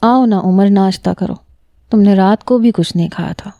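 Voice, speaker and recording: A woman's voice: medium pitch, creaky, mellow, dry recording, muffled recording, lightly acted. A woman voicing a caring, stubborn young woman who scolds with affection. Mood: teasing affectionate.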